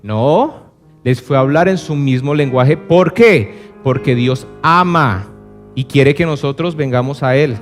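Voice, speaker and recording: A man pastor preaching a sermon in a conversational way, asking the congregation rhetorical questions and briefly acting out other voices. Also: unhurried. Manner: acts out other voices with dramatic pitch swings. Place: church service. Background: soft piano.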